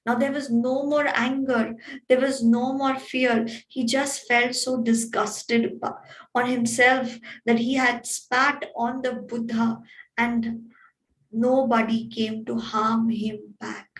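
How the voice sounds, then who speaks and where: Woman coach telling a story, slow and deliberate, fairly high voice, roomy echo from far off. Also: flat delivery. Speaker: wellness coach. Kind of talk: storytelling talk. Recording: echoey room, distant mic.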